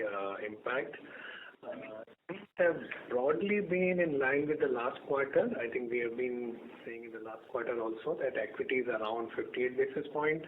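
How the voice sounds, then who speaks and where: Male executive, medium pitch, measured but halting answers, narrow phone-quality audio. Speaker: company executive. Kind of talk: answering analyst questions. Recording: noisy narrow phone-line call.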